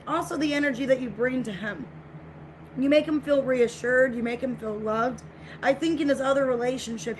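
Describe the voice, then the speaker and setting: A woman giving a casual tarot reading to viewers, speaking in a repetitive, reassuring way, with her voice getting scratchy. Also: high voice. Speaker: tarot reader.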